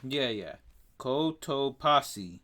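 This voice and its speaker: A native Spanish speaker with a Spanish accent co-hosts a casual podcast, reading out facts haltingly, tripping over names and using plenty of fillers. His mid-range voice is expressive, pushed and bright.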